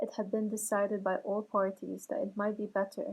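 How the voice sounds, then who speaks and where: Soft-spoken, a woman talks at medium pitch in a gentle tone. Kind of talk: soft-spoken ASMR book reading for sleep. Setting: ASMR with tapping and paper sounds close to the microphone. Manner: soft-spoken, gentle.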